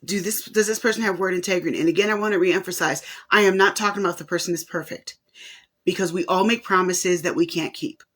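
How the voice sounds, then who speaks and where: A woman's voice: lowish voice, a bit bright. A woman hosting a live-stream talk. She answers viewer comments in a casual way and repeats her key points for emphasis. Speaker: host of a life coaching show.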